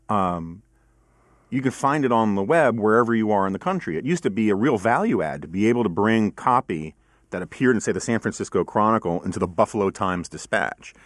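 A middle-aged man hosting a podcast in casual studio chat, with a deep voice, a giggly laugh and lots of ums and uhs. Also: no room sound. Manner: rambling, self-deprecating, many ums and uhs. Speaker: podcast host.

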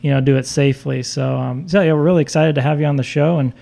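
A man's voice: on the high side, fairly even intonation, quick pace, vocal fry, mellow. A man co-hosting a local food podcast, rambling a bit with lots of "you know" as he talks. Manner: rambling, many fillers and restarts. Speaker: podcast co-host. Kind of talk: casual podcast chat.

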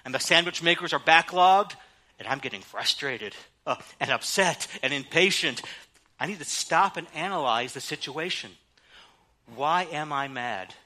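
A man's voice: on the high side, sharp tone. A middle-aged man, a rabbi, preaching a sermon that mixes quoted scripture with everyday examples.

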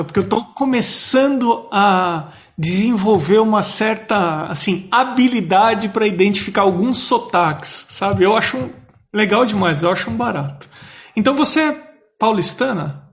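A man's voice: high-pitched, lively intonation, moderate pace. A man with a Brazilian accent hosting a podcast, speaking in a conversational interview style. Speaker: podcast host.

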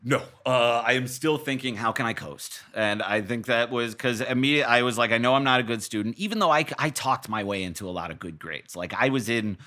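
An American man in his thirties from Massachusetts, telling his own stories as an interview guest in a casual, animated, self-deprecating, jokey way. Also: mid-range voice, fairly quick, hardly any pauses. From Massachusetts, USA. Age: 30s. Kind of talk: casual conversational storytelling.

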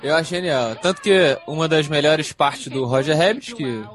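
A man's voice: on the high side, normal speed, soft background music. A man with a lisp, casually recalling old cartoons as a podcast co-host. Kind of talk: casual chat.

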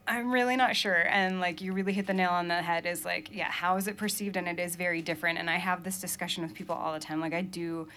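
A woman's voice: on the low side, steady tone, quick pace, few pauses, bright, forceful tone. A young adult woman from Maine, a musician chatting casually in an interview, laughing often and filling her talk with "like" and "um". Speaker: musician guest.

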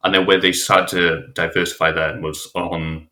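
Deep-voiced man, bright tone. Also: flat delivery, moderate pace. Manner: thoughtful, with restarts and fillers. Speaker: researcher discussing his survey. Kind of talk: conversational interview.

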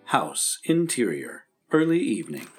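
A man's voice: medium pitch, huge pitch swings, measured pace, music in the background. A man announcing an old-time radio drama in a formal style.

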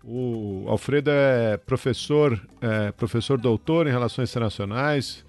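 A man's voice: mid-range voice, unhurried, a little mellow, soft background music. A man hosting a podcast, introducing his guest in a cheerful, informal way. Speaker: podcast host.

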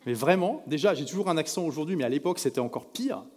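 A man from France speaking to a live audience from a stage, telling anecdotes in a lively way and acting out the people he quotes. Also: on the high side, quick pace. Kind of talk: storytelling talk to a live audience. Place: stage in a large event hall. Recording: echoey hall reverb.

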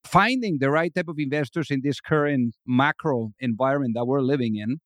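A man's voice: medium pitch, a little fast, dry recording, clean studio sound. A man hosting a podcast, introducing his guest in an upbeat, chatty way with filler phrases. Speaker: podcast host. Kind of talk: casual interview hosting.

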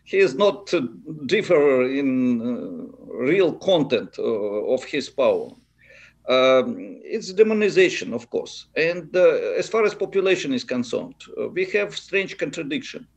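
A man with a Russian accent, speaking non-native English in a halting way as he gives unscripted political analysis in an interview. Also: medium pitch, big pitch swings, gravelly.

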